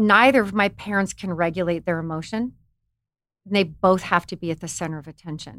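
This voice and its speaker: In a very clean recording with a silent background, a woman with an unremarkable speaking voice, medium pitch, ordinary pitch variation and big swings in loudness talks at a fairly quick pace. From Colorado, US. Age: 50s. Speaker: psychologist. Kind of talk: interview.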